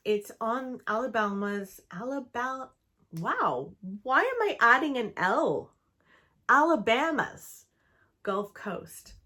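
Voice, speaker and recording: A woman's voice: on the high side, expressive, slow pace, sharp tone. A young woman from Canada chatting casually about books she wants to read, rambling a little with fillers and self-corrections. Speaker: book vlogger. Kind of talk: casual book chat to camera.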